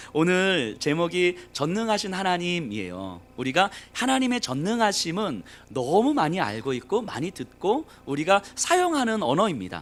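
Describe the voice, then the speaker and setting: This man's pitch is high. His voice makes very wide pitch swings. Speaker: pastor. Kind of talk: sermon. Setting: church. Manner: fast.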